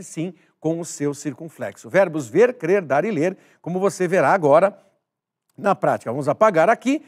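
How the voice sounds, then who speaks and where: A man's voice: high voice, darkish tone, breathy edge. A man teaching a recorded exam-prep grammar lesson, emphatic, repeating key words and speaking straight to the viewer.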